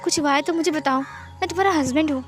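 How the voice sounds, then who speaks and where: A woman acts out a caring young husband who questions firmly and will not take no for an answer. The voice stays high, close to the reader's own. Soft music plays faintly behind. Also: quick pace, close to an everyday voice. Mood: worried. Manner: firm, insistent questioning.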